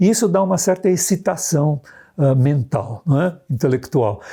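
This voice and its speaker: Lively intonation carries a dark, mellow tone in a very clean recording with a silent background. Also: man. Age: 80s+. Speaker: computer science professor. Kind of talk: interview. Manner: halting with many repetitions.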